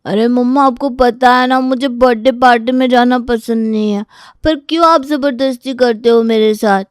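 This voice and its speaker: A woman's voice: fairly high pitch, fairly even intonation, moderate pace, clear, resonant tone, dry recording, studio quality, close to an everyday voice. A woman voicing a stubborn, whiny six-year-old boy who is a fussy eater, in a storybook tale. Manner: whiny and insistent. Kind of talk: storybook character acting.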